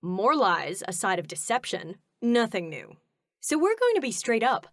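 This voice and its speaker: A woman's voice: on the high side, sing-song, moderate pace, fairly bright tone. A woman giving polished commercial voice-over reads. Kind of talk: polished advertising read. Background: music bed.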